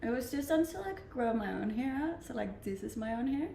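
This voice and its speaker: A woman's voice: fairly high pitch, fairly quick, vocal fry, roomy sound, a little hiss or hum. A woman in her twenties with a Danish accent, chatting casually and laughing as she reads viewer comments on her stream. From Denmark. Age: 20s. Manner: relaxed, chatty, laughs often. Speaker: livestreamer.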